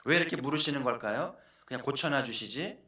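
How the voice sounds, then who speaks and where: A man's voice: medium pitch, brisk, pushed and bright. A male pastor preaching a sermon in a church, earnest and often putting questions to his congregation. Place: church sanctuary. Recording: echoey church hall.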